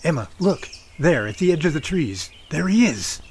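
A man's voice: a little high, big pitch swings, normal speed, darkish tone, slight background noise. An actor playing a middle-aged father and Bigfoot researcher in a radio drama, wry and folksy. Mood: tense.

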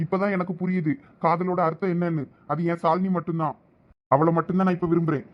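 Male actor as devoted young husband, high voice, emotional, muffled village drama audio. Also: steady tone, quick pace, close to an everyday voice. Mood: cold rejection. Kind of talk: village web-series acting.

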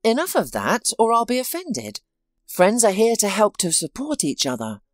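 A woman voicing a steady, helpful male friend, speaking calmly and reassuringly in a storybook reading. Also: mid-range voice, normal speed, dry recording, clean studio sound, voice pushed up.

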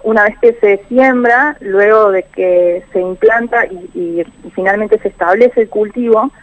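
A woman's voice: mid-range voice, unhurried. Hesitant woman on a phone line. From Argentina. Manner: hesitant, many fillers and restarts. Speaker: agronomist guest.

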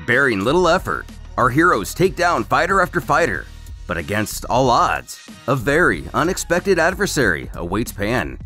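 Lively male narrator over music. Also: mid-range voice, normal speed. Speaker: YouTube narrator and host. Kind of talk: scripted story recap narration.

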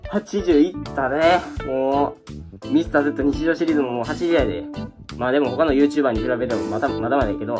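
A man's voice: mid-range voice, quick pace, music in the background. A young man with a Kansai accent hosting a casual question-and-answer vlog, rambling with many fillers and restarts. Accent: Kansai Japanese. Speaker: YouTube channel host.

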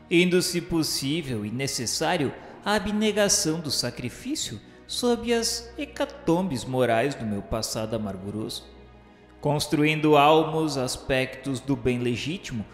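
A man's voice: mid-range voice, natural voice. A Brazilian man playing the remorseful spirit of a suicide, narrating his suffering in solemn, formal radio-novel declamation. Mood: resolute, solemn. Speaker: narrator character in a radio drama. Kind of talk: dramatic first-person narration of a religious radio novel. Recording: echoey long reverb with music behind. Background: music.

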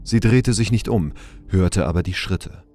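A man's voice: low-pitched, measured pace, dark tone, faint music behind. A man giving scripted narration for an audio drama.

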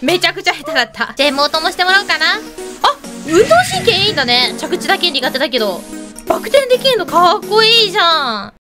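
A woman's voice sits extremely high and bounces all over the place, bubbly and exclaiming as she chats through a let's-play with a lilt. Loud game music plays right behind her. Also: sing-song, fast talker. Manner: bubbly, exclaiming, chatting to her pets and viewers. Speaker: gaming YouTuber. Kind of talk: excited Minecraft let's-play commentary.

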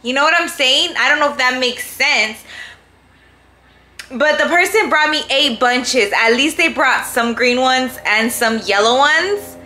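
A woman's voice: high voice, measured pace, sharp tone. A young woman from Houston, Texas, chatting casually and informally as a vlog host in her home kitchen. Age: young adult. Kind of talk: casual vlog chat while cooking. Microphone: handheld or counter-set camera.

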